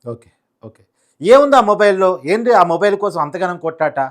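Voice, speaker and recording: A man hosts a live news phone interview. He fires off questions very quickly at a medium pitch. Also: animated.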